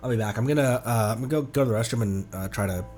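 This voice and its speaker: A man's voice: mid-range voice, very fast, a little mellow, soft background music. A man livestreaming a game with casual, jokey commentary, reading bits of dialogue aloud. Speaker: streamer.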